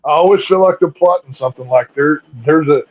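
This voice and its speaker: Husky-voiced blunt podcast man. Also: a little high, brisk, highs cut off. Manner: blunt, joking, wary opinions. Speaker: podcast co-host. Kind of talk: casual movie review chat.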